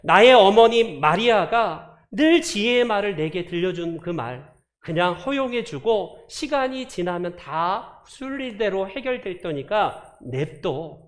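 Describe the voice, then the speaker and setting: A man preaches a Sunday morning sermon, his pitch rising and falling widely as he drives each point home. He repeats key phrases and speaks directly to his congregation. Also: lively intonation, unhurried. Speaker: pastor.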